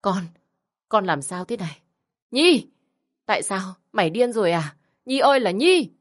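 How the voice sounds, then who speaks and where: A woman's voice: mid-range voice, very animated, a little slow, pitched above the performer's own voice. A woman voicing a panicked middle-aged mother who cries out in a trembling voice. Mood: frantic. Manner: trembling, crying out.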